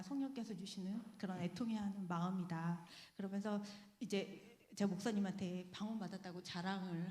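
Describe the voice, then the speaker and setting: A woman's voice: mid-range voice, a little mellow. A woman giving a personal testimony in church, chatty and earnest, often laughing as she speaks. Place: church sanctuary. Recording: echoey church hall with long reverb.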